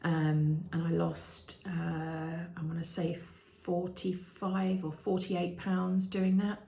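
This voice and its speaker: A British woman in her fifties, vlogging candidly with many ums and restarts and a voice that turns croaky at times. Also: fairly low pitch, completely flat delivery, takes it slowly, mellow. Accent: British English. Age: 50s. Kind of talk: candid personal vlog. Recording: echoey room.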